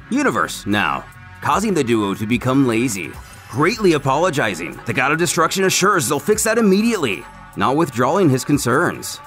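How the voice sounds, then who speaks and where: Male narrator for a comic recap, animated mid-pitched delivery, scripted, light music underneath. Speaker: narrator recapping a fan manga. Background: background music.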